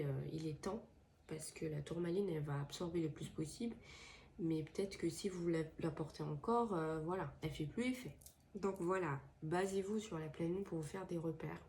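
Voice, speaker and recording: A woman's voice: low-pitched, gravelly, warm tone, a little hiss or hum. Stuffy-voiced woman with a cold. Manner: hesitant, many fillers and restarts. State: has a head cold, stuffy voice. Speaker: tarot and crystal channel host. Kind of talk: casual spoken advice to viewers. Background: washing machine running.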